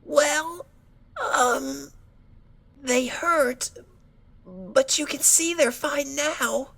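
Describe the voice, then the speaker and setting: Timid injured cartoon pony mare: high, slow, hesitant, anxious audio-story voice. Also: female voice, gravelly, pushed and bright, heavily acted. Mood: timid, pained. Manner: hesitant, halting, pleading. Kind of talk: dramatic audio story acting.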